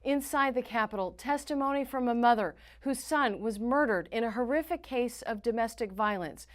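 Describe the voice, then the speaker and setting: A woman's voice: a little high, moderate pace. American woman reading the news. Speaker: news reporter and anchor. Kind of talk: scripted news narration.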